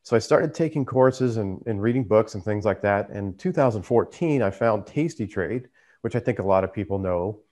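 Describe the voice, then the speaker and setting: A man's voice: lowish voice, animated, moderate pace, a little mellow. A man who hosts a trading channel, telling his story in a casual, conversational way. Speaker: trader and YouTube channel host.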